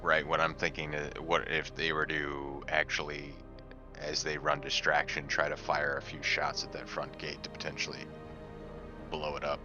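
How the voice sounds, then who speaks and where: A man's voice: rumbling low, completely flat delivery, normal speed, over music. A man playing a tabletop game, casually discussing tactics over a slightly lo-fi microphone.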